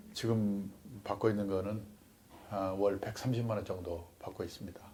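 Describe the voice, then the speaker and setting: Fairly low male voice with monotone, flat intonation at a moderate pace, in audible room echo. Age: 70s. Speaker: retired finance executive and pension expert. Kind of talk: interview.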